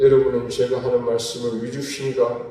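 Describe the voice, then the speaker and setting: Putting on a breathy character voice at a medium pitch, a man talks at a fairly quick pace amid strong echo. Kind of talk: sermon cadence.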